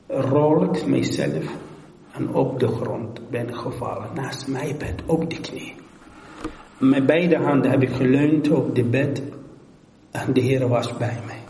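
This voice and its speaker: A man preaching an emotional personal testimony, slow and halting, moving between hushed words and loud pleading. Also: mid-range voice, gravelly, a little hiss or hum. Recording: echoey hall with long reverb.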